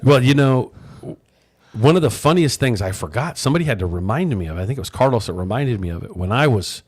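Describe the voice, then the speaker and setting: A man hosting a live radio talk show, telling stories loudly and with energy. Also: medium pitch, fast, breathy edge, no echo. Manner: loud, energetic storyteller. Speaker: radio host. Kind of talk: casual chat.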